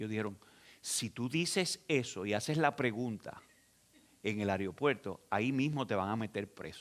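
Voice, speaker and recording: Against the silent background of a very clean recording, the speaker moves at a moderate pace with an animated tone and lively intonation. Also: man, fairly low pitch for a man. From Puerto Rico. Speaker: guest preacher, pastor. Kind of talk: sermon. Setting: church. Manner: animated storytelling.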